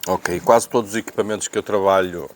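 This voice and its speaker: A man with a European Portuguese accent and a lowish voice talks through a product unboxing. He speaks off the cuff, thinking aloud and often repeating words as he searches for the next one. There is faint noise in the recording. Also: fairly even intonation, brisk. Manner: hesitant, repetitive, thinking aloud. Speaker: unboxing video presenter. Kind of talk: casual unscripted product review.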